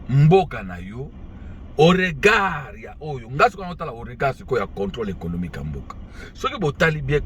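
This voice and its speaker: A man's voice: fairly low pitch, a little hiss or hum. A man gives his opinion in a casual monologue, explaining his argument step by step. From Congo (DRC). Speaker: political commentator.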